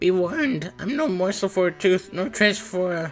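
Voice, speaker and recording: Using a put-on character voice, a man speaks at a high pitch with a creaky quality. He keeps a moderate pace while faint music plays in the background. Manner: suspicious, muttering.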